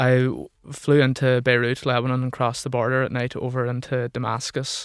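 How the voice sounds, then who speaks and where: Flat, monotone delivery in a Donegal accent at a moderate pace, on a very clean recording with a silent background. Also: man. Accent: Donegal Irish. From Ireland, Donegal. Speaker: aid worker. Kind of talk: radio interview. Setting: radio studio.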